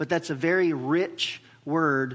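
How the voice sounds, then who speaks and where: Audible room echo around a man's voice. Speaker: church elder and guest preacher. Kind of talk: sermon. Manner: casual, conversational.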